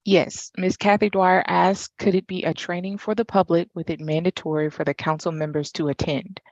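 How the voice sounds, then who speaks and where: Female staffer, lower voice, plain read-aloud delivery, dry, muffled audio. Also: level tone, normal speed, darkish tone, no room sound. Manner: reads chat comments aloud plainly. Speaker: meeting staff reading chat.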